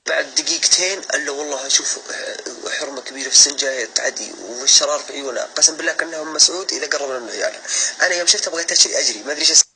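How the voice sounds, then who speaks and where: A man's voice: fairly high pitch, very fast, bright, forceful tone, a little hiss or hum, low-quality recording. A man tells a personal anecdote to his followers in a casual, emphatic way, swearing oaths constantly. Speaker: social media storyteller.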